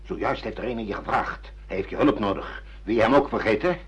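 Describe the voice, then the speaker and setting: An older actor playing a stern, pragmatic father who lectures and reproaches, with a raspy voice, in a Dutch radio play. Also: on the low side, fast talker. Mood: probing. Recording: dull lo-fi radio play recording.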